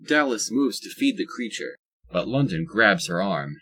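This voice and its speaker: A man's voice: fairly low pitch, sing-song, normal speed, pushed and bright, breathy edge. A man narrating a scripted audio drama as its storyteller.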